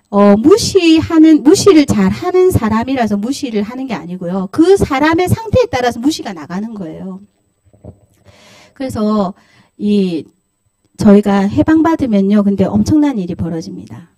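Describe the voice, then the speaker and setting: Lively, animated Korean woman preaching. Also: fairly high pitch, dry recording. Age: middle-aged. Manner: animated, acts out scolding quotes, laughs often. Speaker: pastor's wife preaching. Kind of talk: lively Friday service sermon. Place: church sanctuary.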